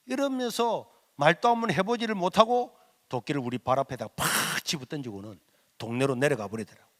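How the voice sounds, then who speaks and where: A middle-aged male pastor, telling a story in a sermon and acting out the dialogue, his voice swinging from loud to hushed. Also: fairly high pitch, animated, brisk. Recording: long hall reverb.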